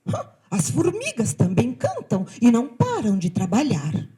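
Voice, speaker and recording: A woman from voicing a stern, hardworking female ant who barks orders in a scolding, brisk way. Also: a little high, wildly swooping pitch, slightly rough, heavily acted. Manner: scolding, brisk, loud commands.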